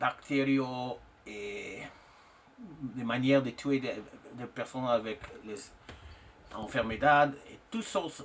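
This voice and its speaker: With a non-native accent, a man speaks at a very slow pace and medium pitch, with ordinary pitch variation. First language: not French (speaking French). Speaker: spokesman of an organization. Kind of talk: recorded public message. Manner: halting, many hesitations.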